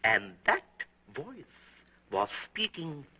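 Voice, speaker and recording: An actor playing a stubborn middle-aged German restaurant owner who speaks with a German accent in a slow, husky, halting way. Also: male voice, on the high side, huge pitch swings, full character voice. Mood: earnest. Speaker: restaurant owner questioned as a witness. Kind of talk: 1930s film acting. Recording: muffled dull 1930s film soundtrack.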